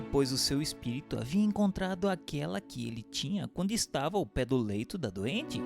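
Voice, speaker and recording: A Brazilian man narrates a book in a formal, declamatory style. His voice sits a little high and moves through wide, animated swings of pitch. Music plays along behind the reading. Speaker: audiobook narrator.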